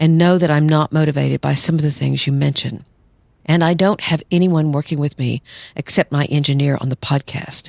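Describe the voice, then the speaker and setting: Dry and close with no echo, a woman's very deep, low voice in a Southern US accent moves at a moderate pace with ordinary pitch variation. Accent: Southern US twang. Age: 60s. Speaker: psychologist podcast host. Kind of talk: solo podcast talk.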